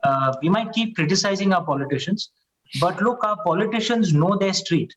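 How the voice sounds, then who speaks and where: A man's voice: high voice, animated, normal speed, a bit bright, poor audio. A man from Uttar Pradesh with an Indian English accent, arguing earnestly on a panel discussion, with many hesitations and "right?" checks. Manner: earnest, persuasive, frequent "uh" and "right?". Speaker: panel guest.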